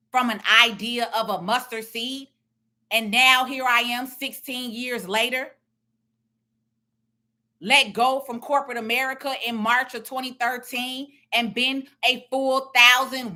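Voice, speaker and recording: Loud middle-aged woman, blunt commentary, bright forceful tone, sits a little high. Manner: confident, emphatic, plain-spoken. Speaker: tax and business strategist. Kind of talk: blunt social media commentary.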